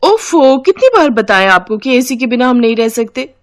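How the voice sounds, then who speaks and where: A woman's voice: a little high, sing-song, moderate pace, pitched above the performer's own voice. Woman voicing a whiny, spoiled young sister-in-law. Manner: whiny and loud.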